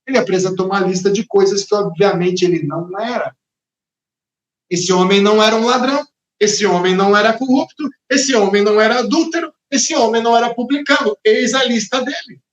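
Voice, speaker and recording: Expressive high-voiced male preacher, echoey. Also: fairly quick, dull audio. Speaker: pastor. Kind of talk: sermon.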